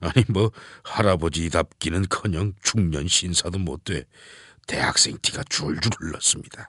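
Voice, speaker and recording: A raspy, put-on character voice from a man, very deep and low, at a moderate pace, with a dry, close sound and no echo. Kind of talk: audiobook memoir reading. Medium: read story. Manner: reflective, measured.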